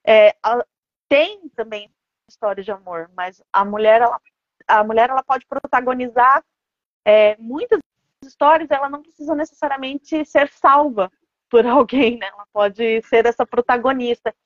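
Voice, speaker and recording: Being interviewed as an author, a Brazilian woman with a fairly high voice explains things earnestly and conversationally at a moderate pace, often adding small check-in tags. The audio is dull and lo-fi, recorded in an echoey room.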